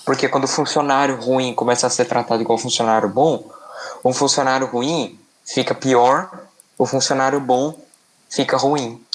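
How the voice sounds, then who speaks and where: A man's voice: medium pitch, fairly even intonation, moderate pace. A young Brazilian man with a Brazilian Portuguese accent, a student speaking up in class, hesitant and full of fillers. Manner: hesitant, many fillers and restarts. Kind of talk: class discussion.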